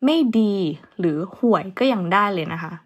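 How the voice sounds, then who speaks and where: A woman's voice: fairly low pitch, expressive, normal speed, husky. A young woman hosting a casual vocabulary lesson, chatting easily and spelling words out letter by letter. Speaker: English teacher host.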